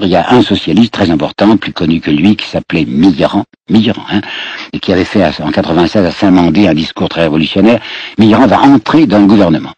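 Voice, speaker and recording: A man's voice: sits low, darkish tone, breathy edge, no echo. A man giving a storytelling lecture, digressing and addressing his listeners directly. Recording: dull lo-fi archive recording.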